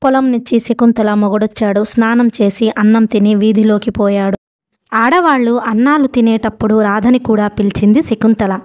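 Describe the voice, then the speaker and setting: A woman narrating a novel in a steady, measured storytelling voice. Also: on the high side, dry recording, studio quality.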